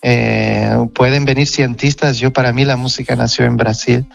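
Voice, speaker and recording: Gravelly Portuguese-accented man. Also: medium pitch, little pitch movement, moderate pace, faint music behind. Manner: thoughtful, searching for words, frequent restarts. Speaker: singer, interview guest. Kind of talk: reflective conversational interview answers.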